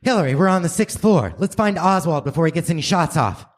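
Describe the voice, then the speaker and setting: A man's voice: on the high side, lively intonation, fast talker, noisy background, voice pushed up, close to an everyday voice. A man playing an earnest, dramatic action hero in a live comedic radio play. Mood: urgent. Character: earnest heroic action sidekick, urgent and dramatic.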